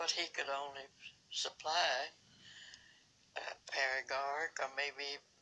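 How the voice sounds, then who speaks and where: With an Alabama accent, a woman speaks at a very slow pace, leaving long, frequent pauses. Her voice is very deep and low, with a bright, sharp tone. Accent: Southern US (Alabama). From rural Alabama. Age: 80s+. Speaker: 1918 pandemic survivor. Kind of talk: oral history interview answer.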